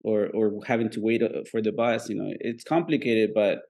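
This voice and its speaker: A man's voice: fairly low pitch, fairly even intonation, darkish tone. A man co-hosting a podcast who talks in a casual, rambling way and halts often on fillers. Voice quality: gravelly. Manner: rambling, halting with many fillers. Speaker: co-host.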